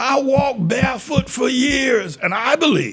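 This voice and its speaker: He talks at a fairly slow pace. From North Carolina. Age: 70s. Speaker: pastor. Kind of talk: sermon.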